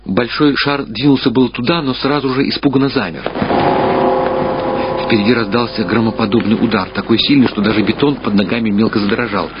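A man narrating a story for radio in a measured, somber way. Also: medium pitch, heavy background noise. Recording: dull archival radio recording with loud music.

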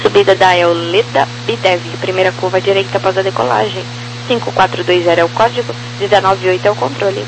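A Brazilian man working as an air traffic controller, giving clipped clearance callouts over radio. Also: high voice, fairly even intonation, fast talker. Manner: clipped, procedural phrasing. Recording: noisy radio with mains hum.

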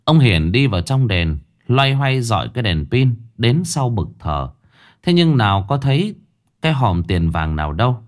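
A man's voice: mid-range voice, big pitch swings, moderate pace. A man narrating a ghost story in a dramatic storytelling manner.

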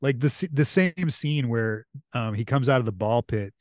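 In a clean studio recording free of echo, a man with a mid-range voice hosts a podcast. He talks at a moderate pace, casual and enthusiastic, wandering through his points with an animated retelling.

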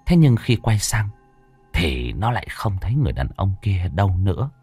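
A man narrating a story in a steady, expressive way. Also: sits low, normal speed, faint music behind.

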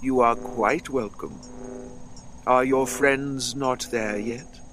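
A man voicing a calm, formal alien creature who speaks through a small machine, slow and measured. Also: medium pitch, slight background noise, pitched below the performer's own voice.

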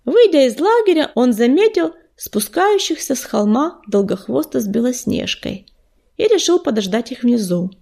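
A woman reads a children's audiobook with expressive storytelling. Her voice is husky and a little gravelly, with a lively, swinging pitch that sits slightly high. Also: moderate pace. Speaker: audiobook reader. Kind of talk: audiobook narration.

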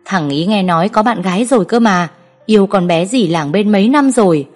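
A woman's voice: medium pitch, lively intonation, fairly quick, a little mellow, soft background music, close to an everyday voice. A woman reading a story aloud, voicing an indignant middle-aged village aunt who scolds and comforts in exclamations. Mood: indignant, soothing.

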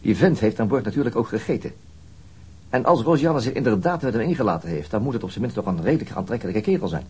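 An actor playing a persistent, methodical police detective in a Dutch radio drama, formally polite and matter-of-fact. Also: male voice, lowish voice, expressive, fast talker, darkish tone, lightly acted.

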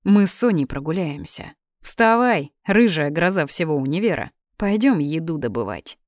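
A woman's voice: low voice, very animated, moderate pace, no room sound. A woman voicing a weary, sarcastic young man in an audiobook, sighing through dry remarks. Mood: exasperated.

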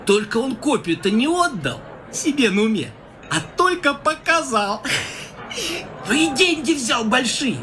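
An actor playing a male official in a radio play, telling a tale in an animated, gossipy way. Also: very high voice, unhurried, slight background noise, full character voice.

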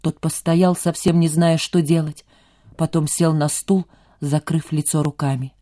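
A woman narrating a literary audiobook in a measured, calm storytelling voice. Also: sits low.

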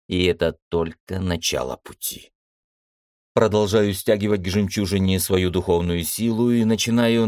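A man with a very low, deep voice reads a fantasy novel aloud in the first person. His delivery is steady and measured, carrying a tense inner monologue. The sound is dry and close, with no room around it. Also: dry recording. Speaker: audiobook narrator. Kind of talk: first-person audiobook narration.

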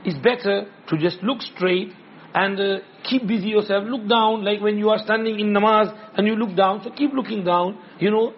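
High-pitched South Asian man teaching religion. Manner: repetitive, instructive, with frequent check-in questions. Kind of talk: informal religious lesson with question and answer. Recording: dull lo-fi sound with background noise.

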